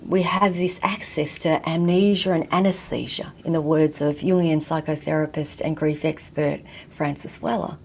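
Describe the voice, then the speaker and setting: A woman from Vietnam, raised in Australia, giving a slow, reflective talk and often dropping to a near whisper. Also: sits low, fairly even intonation, slight background noise. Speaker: guest teacher.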